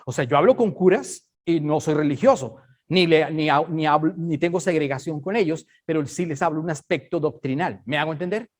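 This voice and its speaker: A man's voice: fairly high pitch, fairly quick. Brief: male preacher, chatty, emphatic teaching tone. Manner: conversational, emphatic, checks listeners understand. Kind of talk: Bible study sermon.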